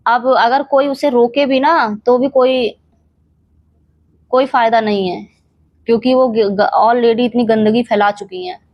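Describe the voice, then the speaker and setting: A young woman addresses her camera in a heated reaction vlog, firing rhetorical questions at an absent rival and scolding her directly. Her voice sits a little high. The sound is dry and close, with no room around it. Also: fairly even intonation, measured pace, hardly any pauses, dry recording, dull audio. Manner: rhetorical questions and repeated challenges. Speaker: reaction channel creator.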